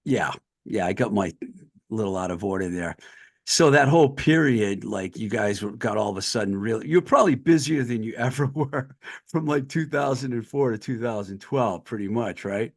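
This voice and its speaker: A man's voice: fairly low pitch, lively intonation, moderate pace. A man hosting a casual podcast interview, asking eager, fan-like questions. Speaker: podcast host.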